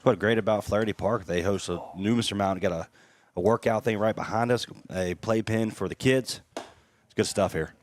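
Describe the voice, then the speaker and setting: A man's voice: lowish voice, dry recording. A man giving casual, chatty color commentary on a radio baseball broadcast from a ballpark press box. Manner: casual, chatty, drawn-out fillers.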